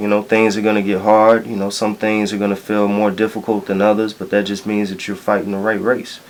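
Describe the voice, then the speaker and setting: Fairly quick speech from a man with a fairly low pitch. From Japan, raised in US. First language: Japanese. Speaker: entrepreneur, studio owner. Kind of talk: interview. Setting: studio.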